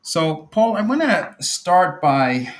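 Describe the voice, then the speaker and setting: A man hosting an interview podcast, introducing his guest in a measured, formal way. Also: fairly high pitch, very animated. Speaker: podcast host.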